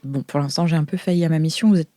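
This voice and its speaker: A woman's voice: deep voice, very fast, mellow, no room sound, close to an everyday voice. A woman improvising a flustered, hesitant museum agent who explains things defensively in an audio roleplay. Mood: sheepish, explaining. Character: flustered young woman, junior integration agent in a futuristic museum.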